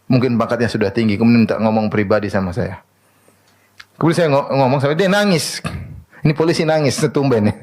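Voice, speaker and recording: A man preaching a sermon to a women's study group, asking rhetorical questions and answering them himself. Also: medium pitch. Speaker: Islamic preacher.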